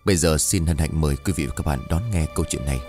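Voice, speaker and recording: A man narrating a scripted horror story dramatically, with soft music behind him. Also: very deep voice, fast talker. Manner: dramatic, with rising tension.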